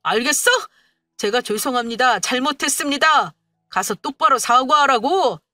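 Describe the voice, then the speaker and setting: A woman voicing a hot-tempered young husband who shouts accusations in defense of his mother. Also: high voice, normal speed, dry recording, studio quality, faint music behind, pitched above the performer's own voice. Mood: angry shouting.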